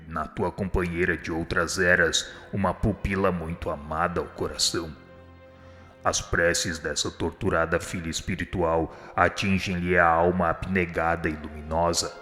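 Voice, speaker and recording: A man playing a gentle, humble spirit instructor in a radio drama, speaking with serene firmness in solemn, formal appeals. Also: low voice. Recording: long hall reverb, faint music. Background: faint music.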